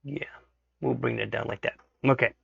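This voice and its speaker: Hoarse man with a gravelly voice. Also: medium pitch, steady tone, normal speed, a bit bright, dry recording. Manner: thinks aloud, frequent "okay" checks. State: hoarse from a cold. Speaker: 3D modeling tutorial host. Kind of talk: casual screen-recorded tutorial. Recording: dry, dull lo-fi mic.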